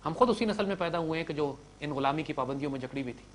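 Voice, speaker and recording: A man with a Pakistani Urdu accent giving an impassioned religious lecture to young students, swinging between loud declaiming and low-voiced asides. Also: very fast, a little hiss or hum.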